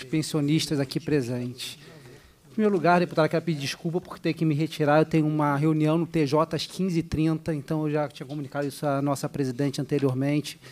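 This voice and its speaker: A man's voice: fairly high pitch, a little mellow. A man, a state attorney, giving a polite, explanatory formal address at a legislative hearing.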